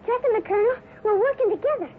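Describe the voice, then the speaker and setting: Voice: very high-pitched, rapid-fire. A performer playing an earnest, headstrong young ranch boy in a 1950s radio western, on a scratchy, tinny recording. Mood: urgent, pleading. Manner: earnest, exclamatory.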